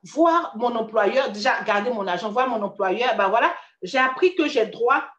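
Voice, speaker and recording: A woman's voice: a little high, expressive, normal speed, a bit bright, roomy sound, lo-fi sound. A woman with an Ivorian accent giving a chatty career-coaching talk, speaking directly to the listener with frequent restarts. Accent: Ivorian French. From Ivory Coast. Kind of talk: casual motivational talk.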